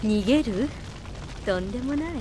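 A woman's voice: on the high side, animated, normal speed, noisy background, lightly acted. A woman playing a bold, confident young fighter with an assured, spirited delivery in a radio drama. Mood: cool, taunting. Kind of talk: Japanese anime-style radio drama acting. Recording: music behind the voice.

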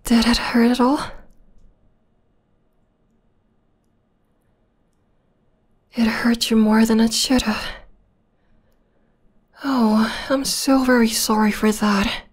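Woman doing a yandere vampire girl for asmr, soft n breathy, kinda high, super slow, clingy and menacing. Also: steady tone. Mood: blissful, doting. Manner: soft, breathy, intimate, lingering delivery with whispers. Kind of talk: ASMR roleplay.

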